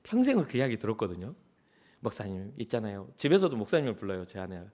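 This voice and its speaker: Middle-aged male pastor, conversational sermon delivery, very expressive pitch, acts out quotes. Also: fast talker. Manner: animated, conversational, acts out quotes, drops to soft whispers. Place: church sanctuary.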